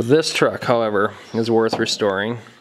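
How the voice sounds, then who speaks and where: Light background noise accompanies a man talking. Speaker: vehicle hobbyist vlogger. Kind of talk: casual vlog chat. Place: garage. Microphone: phone near.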